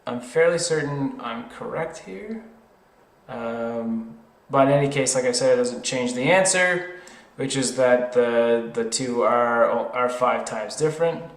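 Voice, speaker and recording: Slow-paced man tutoring in an echoey room. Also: mid-range voice. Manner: hesitant, thinking aloud, self-correcting. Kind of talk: informal worked-problem chemistry tutorial.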